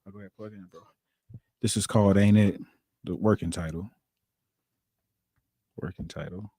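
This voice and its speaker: A man's voice: sits low, steady tone, normal speed, mellow, slightly rough, dry recording. Laid-back slangy man, dry close sound. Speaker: host. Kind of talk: casual chat.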